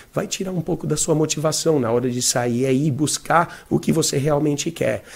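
A man talks at a moderate pace with a Brazilian accent. His voice sits fairly high. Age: 40s. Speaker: dating coach and podcaster. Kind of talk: monologue video talk. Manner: animated.

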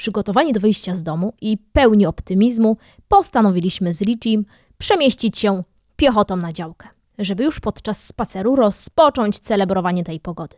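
Lively intonation marks a woman's unremarkable speaking voice at medium pitch and a fairly quick pace. The recording is very clean with a silent background, with a dry, close sound and no echo. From Poland. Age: 20s. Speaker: podcast host. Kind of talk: personal storytelling monologue. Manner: casual and conversational.

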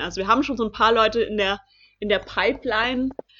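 Intonation stays fairly even over a quiet background. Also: woman. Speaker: podcast co-host. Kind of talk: casual chat. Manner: halting.

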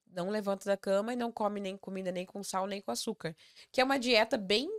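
A woman talks at medium pitch in an unremarkable speaking voice. The sound is dry and close with no echo, on a very clean recording with a silent background. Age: 30s. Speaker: author. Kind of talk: casual chat.

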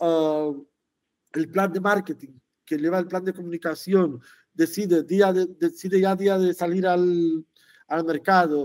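In a Romanian accent, a man speaks with a high pitch and fairly even intonation. The pace is fairly slow and the sound is dry and close, with no echo. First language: Romanian (speaking Spanish). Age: 30s. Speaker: entrepreneur. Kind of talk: interview. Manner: halting.

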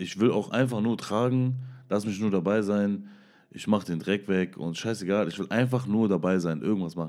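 This man's tone is dark and mellow. He talks at a moderate pace with ordinary pitch variation. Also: fairly low pitch for a man, very clean recording, silent background. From Berlin, Charlottenburg. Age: 20s. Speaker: music video producer. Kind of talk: casual interview.

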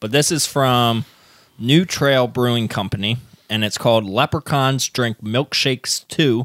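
A man talks at a medium pitch with ordinary pitch variation. The sound is dry and close, with no echo, a very clean recording and a silent background. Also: fairly slow pace. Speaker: podcast host. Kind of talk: casual chat. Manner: animated.

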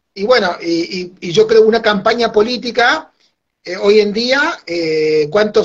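Fairly slow pace with an Argentine accent. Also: man. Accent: Argentine Spanish (voseo). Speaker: health website director and activist. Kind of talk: interview.

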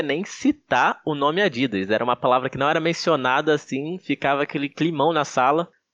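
In a plain, everyday voice, a man talks at a moderate pace with ordinary pitch variation, the sound dry and close with no echo over a quiet background. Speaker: podcast co-host. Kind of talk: casual chat.

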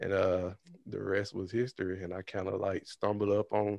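Dry, close sound without echo, a quiet background and a moderate pace. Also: man. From US South, Birmingham, Alabama. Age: 30s. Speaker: golf club builder. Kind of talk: casual interview chat.

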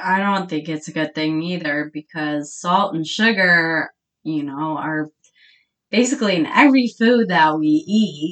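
Speaking fairly slowly with a Michigan accent, a woman uses a fairly low pitch with ordinary pitch variation. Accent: Midwestern American (Michigan). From Michigan, Downriver (Trenton). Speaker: sandwich shop worker, host's fiancee. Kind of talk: casual chat. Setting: studio.

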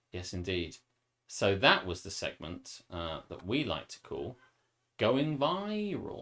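A man with an English accent speaks very slowly at a medium pitch, in a bright, sharp tone. His pitch swings very widely and his loudness shifts a great deal. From England. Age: 30s. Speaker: podcast host and DJ. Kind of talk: casual banter chat. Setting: livestream with chat viewers. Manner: joking, profane, animated.

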